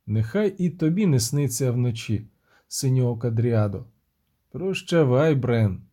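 A man voicing a weary, grim middle-aged witcher, speaking in a measured, dry and somber way in a storybook reading. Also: medium pitch, expressive, mellow. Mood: bitter.

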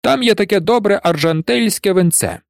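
A man's voice: normal speed, gravelly, no room sound, clean studio sound. A man voicing a cunning, chatty old male peasant gravedigger who coaxes and pleads in a raised voice, in an audiobook. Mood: cajoling. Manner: cajoling, higher and louder than the narration.

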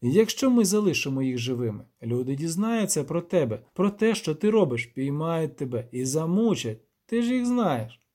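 A man voicing a cold, proud, white-haired male elf leader who speaks in a measured, commanding way. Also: a little high, big pitch swings, warm tone.

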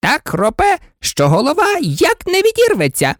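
A woman voicing a contrary, teasing boy twin in a storybook reading, cocky and excitable. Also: sits high, moderate pace, no echo, clean studio sound, pitched above the performer's own voice, full character voice.

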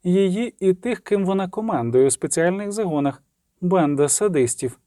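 A man's voice: sits high, lively intonation, moderate pace, mellow, no room sound, clean studio sound, pitched above the performer's own voice. A man voicing a cold, accusing sorceress. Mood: bitter accusing.

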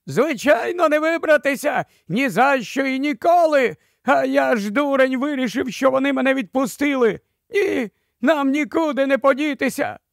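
A man's voice: very high-pitched, lively intonation, gravelly, dry recording, studio quality, pitched above the performer's own voice, heavily acted. A man doing a frantic, wailing ragged stranger. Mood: despairing. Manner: wailing, rushed and desperate.

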